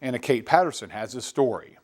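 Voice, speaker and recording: A man anchors a student newscast, reading lead-ins from a script. His intonation is lively, with a mid-range pitch. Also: brisk. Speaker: news anchor. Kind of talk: news anchoring.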